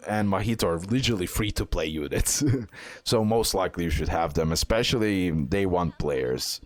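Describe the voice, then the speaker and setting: A man's voice: sits low, no room sound. A man giving casual, off-the-cuff gameplay commentary, repeating phrases and tacking on little check-in questions. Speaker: gaming content creator.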